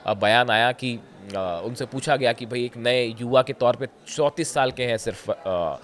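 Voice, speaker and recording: Man, hoarse throat, news commentator, talks straight to viewers, chatty, filler pauses, mid-pitched voice. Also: fairly bright tone. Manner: conversational, often says "dekhiye", frequent filler pauses.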